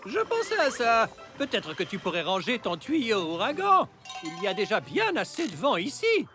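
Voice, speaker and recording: An actor voicing a fussy, hesitant know-it-all robot helper in a cartoon, pedantic and quick to bluff. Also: mid-range voice, wildly swooping pitch, over music.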